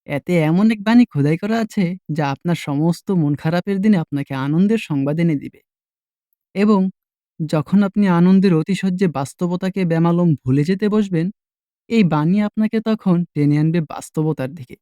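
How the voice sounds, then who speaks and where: A man's voice: high-pitched, normal speed, warm tone, no echo, studio quality, close to an everyday voice. A man voicing a wise, respectful storybook counsellor who speaks to a king in a solemn, formal and reassuring manner. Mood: solemn, assuring.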